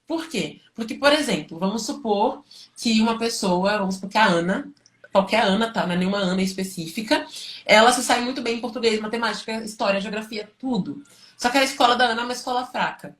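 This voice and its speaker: A woman's voice: on the high side, fast. A woman with a Brazilian accent giving an informal live lesson to students, explaining conversationally with rhetorical questions and frequent check-in tags. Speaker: teacher and study coach hosting a livestream.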